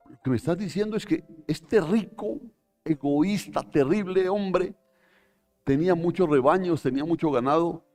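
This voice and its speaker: A man's voice: fairly high pitch, fast, hardly any pauses, dark tone, soft background music, pitched above the performer's own voice, lightly acted. A man voicing an indignant, hot-tempered King David, with outraged, rising exclamations.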